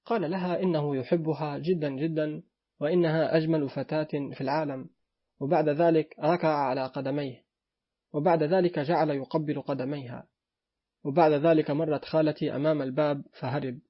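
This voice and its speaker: A man voicing a sly little girl who begs her father for forgiveness, in a husky voice. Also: on the high side, fairly even intonation, brisk. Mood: telling. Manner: pleading, childlike. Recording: dull lo-fi recording.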